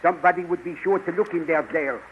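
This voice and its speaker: Guy acting a careful old scientist, stiff formal talk, kinda high voice, dull hissy old radio. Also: close to an everyday voice. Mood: measured. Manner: formal, measured, stiff phrasing. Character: cautious older male scientist, calm and formal. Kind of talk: 1930s radio drama acting.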